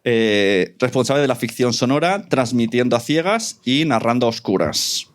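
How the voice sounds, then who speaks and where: A man's voice: mid-range voice, animated, moderate pace. A man with a Spanish accent from Spain hosts a live panel before an audience. His talk is informal and playful, with teasing asides as he introduces guests and puts questions to them. His voice sits in a medium register. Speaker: event host and panel moderator. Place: live event venue with audience.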